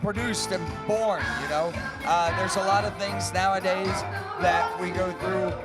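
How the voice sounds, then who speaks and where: A man's voice: high-pitched, steady tone, a little slow, low-quality recording. An upbeat man working as a cruise director, talking casually and animatedly in a live interview. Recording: loud music behind the voice. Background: loud music.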